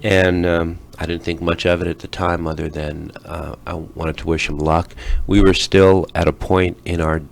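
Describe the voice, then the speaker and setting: Very low voiced guy hosting local radio, chatty, lots of ums. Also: moderate pace, gravelly, hardly any pauses, slight background noise. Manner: relaxed, chatty with many ums. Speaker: radio show host. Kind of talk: casual radio interview.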